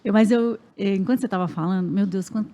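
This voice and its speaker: A woman hosting a podcast interview, telling a family story in a lively way with frequent laughter. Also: mid-range voice, quick pace. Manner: animated, laughs often, speeds up when excited. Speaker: podcast host.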